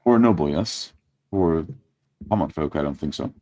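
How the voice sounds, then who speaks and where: A man's voice: a bass voice, expressive, moderate pace, darkish tone, no room sound, studio quality. A man playing in a tabletop roleplaying game, speaking formally in character and narrating his own actions. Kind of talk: in-character roleplay mixed with first-person narration.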